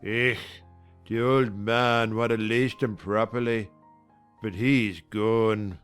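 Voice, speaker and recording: Cast a man as a dour old Yorkshire manservant, slow and sermonizing. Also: on the low side, steady tone, fairly bright tone, smooth, soft background music. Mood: scolding. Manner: slow, scolding, preachy. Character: sour old male Yorkshire servant, pious scold. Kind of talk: dramatized audiobook reading.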